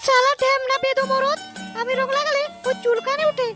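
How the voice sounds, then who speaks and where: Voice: extremely high pitch, level tone, fairly quick. A performer voicing a cheeky, foul-mouthed boy prankster in a Bengali comedy cartoon, brash, boastful and taunting. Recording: music behind the voice.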